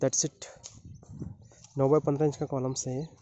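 A man's voice: medium pitch, flat delivery, measured pace, warm tone, slight background noise. A young man talking casually through a walking tour of a construction site, mixing Hindi and English with fillers, recorded outdoors on a handheld phone. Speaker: civil engineering vlogger. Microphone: phone held at arm's length.

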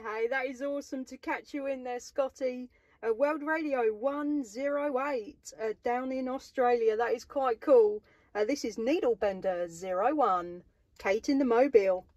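An enthusiastic woman from England with a southern English accent chats casually with radio contacts on mobile CB from inside a vehicle that may be parked or moving. Her voice is fairly high with a darkish tone at a moderate pace. The recording is dry and low in quality.

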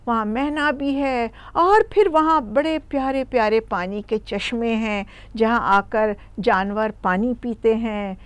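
Woman, storyteller for children, expressive, high-pitched, dry close recording. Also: no room sound. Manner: animated, warm-toned teaching, addresses children directly. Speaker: storyteller explaining a poem to children.

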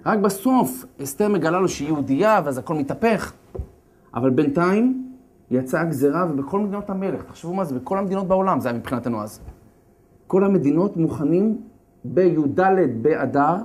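A religious lecturer retelling a holiday story in a lively, slangy, joking way, then turning to its lesson. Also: male voice, on the high side. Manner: animated, slangy, jokey storytelling. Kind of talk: lively comic Torah talk.

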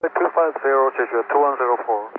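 A man's voice: medium pitch, a little fast. A man speaking in clipped phrases over an aviation radio. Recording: noisy narrow-band cockpit radio link.

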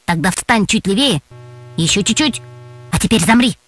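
A woman's voice: a little high, sing-song, moderate pace, fairly bright tone, faint music behind. A woman voicing a cheeky schoolboy in a children's audio tale, sarcastic and mocking. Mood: teasing. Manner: teasing and sarcastic. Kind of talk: audiobook character voice.

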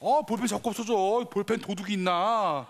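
An actor playing a flustered pub owner who keeps apologizing to touchy customers, in a stage comedy sketch. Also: male voice, high voice, moderate pace. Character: harried middle-aged pub owner. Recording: stage with audience noise.

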